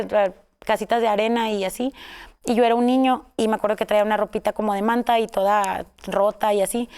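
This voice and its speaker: A woman's voice: mid-range voice, a little mellow, smooth. A woman with a Mexican accent, telling her own story in a casual interview, rambling with many fillers and self-corrections. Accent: Mexican Spanish.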